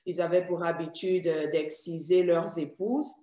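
A woman interviewing for a Christian channel, speaking softly and comfortingly with frequent hesitations. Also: fairly low pitch, fairly even intonation, unhurried. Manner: soft, comforting, hesitant with fillers. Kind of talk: gentle interview. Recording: roomy echo.

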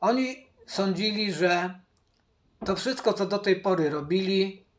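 A man teaching from the Bible, speaking deliberately, repeating his key points and addressing viewers directly. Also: high-pitched, expressive. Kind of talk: Bible study commentary.

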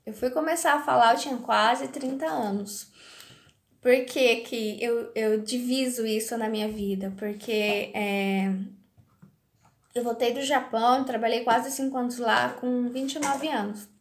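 Woman, thirties, high-pitched, creaky voice, hesitant casual devotional talk, echoey room. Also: steady tone, measured pace. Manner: hesitant, keeps asking "sabe?". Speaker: faith vlogger.

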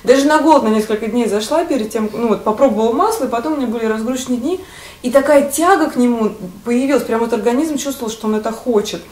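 A woman in her thirties, speaking earnestly and enthusiastically as a guest in a relaxed conversation. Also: on the high side, quick pace. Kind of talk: casual conversation. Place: living room with curtains, indoors. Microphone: far camera. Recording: roomy, distant, faint background hiss.

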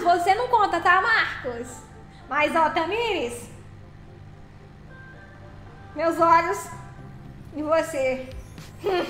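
High-voiced teasing woman streamer. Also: fairly bright tone, roomy sound. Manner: playful, teasing, thanking viewers by name. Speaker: live streamer. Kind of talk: casual live-stream chat.

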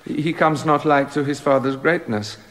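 An actor playing a remorseful king in a radio drama, halting and stammering with emotion. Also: fairly high pitch, fairly bright tone, lightly acted. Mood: troubled. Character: remorseful king, haunted by guilt.

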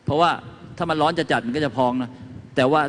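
Talking fast in a slightly high voice, a home-remedies lecturer chats folksily with a live crowd, telling anecdotes and posing questions to them. The background is noisy and the hall echoes.

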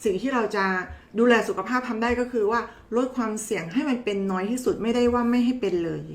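A woman's voice: a little high, fast talker. Chatty woman doctor in a roomy space. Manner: chatty, teasing, addresses viewers familiarly. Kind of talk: casual health explainer talk. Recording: roomy echo.

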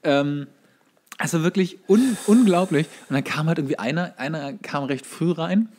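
A man's voice: a little high, moderate pace, a little mellow. A man co-hosting a casual chat podcast, telling anecdotes in a wry way with dramatic build-up. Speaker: podcast co-host.

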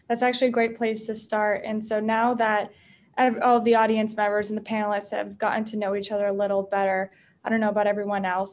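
Young woman moderating, fairly even pitch. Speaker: panel moderator. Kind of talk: informal panel moderating. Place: office meeting room, video call.

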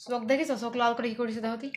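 A woman's voice: a little high, steady tone, rapid-fire, slight background noise. A woman from Bangladesh speaking, coaxing and teasing her husband at home while talking to her viewers. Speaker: vlogger filming her husband. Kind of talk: casual home vlog.

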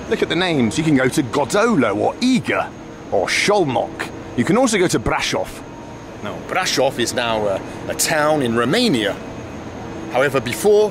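A man in his thirties talks into a camera held at arm's length, with a chatty, wry way of narrating his trip. His pitch sits right in the middle of the male range. Clear station and train noise hums behind him. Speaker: travel vlogger. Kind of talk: casual travel vlog to camera. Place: big train station hall and train carriage. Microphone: handheld camera at arm's length. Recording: noisy station and train ambience.

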